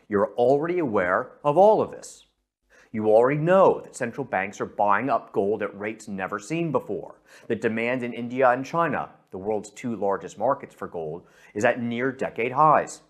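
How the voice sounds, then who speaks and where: A middle-aged man from San Francisco with an American accent, presenting a scripted investment pitch and speaking directly to the listener. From San Francisco, USA. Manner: persuasive, addresses the listener directly.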